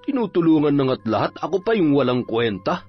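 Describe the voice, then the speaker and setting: An irritable village folk healer scolds at a rapid clip in a raised voice, as a male storyteller plays him. The recording is slightly dull, with faint music underneath. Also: a little high, sing-song, breathy edge. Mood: scolding. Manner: scolding, fast.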